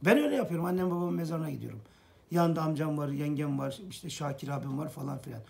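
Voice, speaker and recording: A man's voice: a little high, expressive, fast talker, gravelly. A middle-aged man gives an earnest, preachy fan monologue to camera, repeating phrases for emphasis. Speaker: football fan vlogger.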